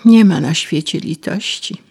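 A woman's voice: on the low side, a little slow, gravelly, a little mellow, slightly rough, exaggerated voice. A woman voicing a weak, starving male grasshopper who begs for help in a plaintive way. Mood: pleading.

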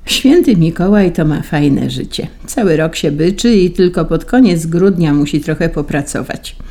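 Woman reading a storybook, calm, low gravelly voice. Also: normal speed. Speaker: narrator.

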